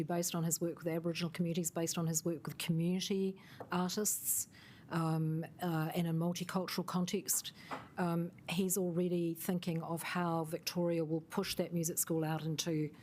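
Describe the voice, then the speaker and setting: Measured woman answering council questions. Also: on the low side, darkish tone, a little hiss or hum. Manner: measured, thoughtful, with fillers. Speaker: council officer briefing councillors.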